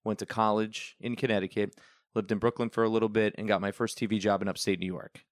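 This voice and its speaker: A man's voice: lowish voice, level tone, fast talker, dry recording, clean studio sound. A young man from the Northeastern US, a TV news reporter, telling rambling stories in a casual podcast chat and laughing often.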